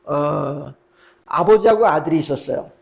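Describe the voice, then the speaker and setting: A man's voice: on the high side, moderate pace, vocal fry, muffled recording. A man preaching a midweek sermon, retelling Bible scenes and acting out their dialogue with many fillers. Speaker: pastor.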